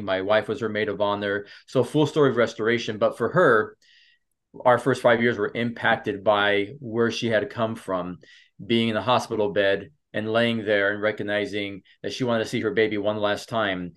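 A man's voice: fairly low pitch, steady tone, normal speed, a bit bright. A man who is a pastor and marriage coach, telling his personal story in an earnest interview with frequent restarts. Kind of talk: casual interview.

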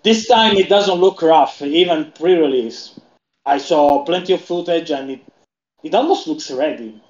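A man's voice: fairly high pitch, a little slow. Man in an echoey, lo-fi room. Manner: rambling, with frequent restarts. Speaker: podcast co-host. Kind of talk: casual gaming chat. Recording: echoey room, dull lo-fi sound.

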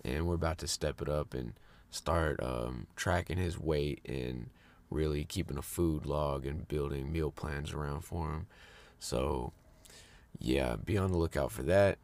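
A man's voice: a bass voice, normal speed, a little mellow. A man hosting a fitness podcast in a casual, rambling monologue, sounding a bit congested. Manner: upbeat, rambling with fillers and restarts.

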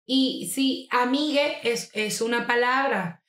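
A woman chatting casually as a podcast co-host, animated and sarcastic, with lots of fillers. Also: on the high side, slow pace. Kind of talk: casual chat. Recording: echoey room.

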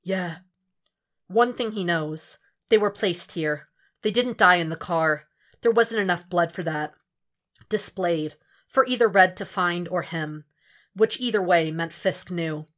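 A woman's voice: on the low side, unhurried. A woman reading scripted fiction aloud as an audiobook narrator, in a dramatic storytelling style.

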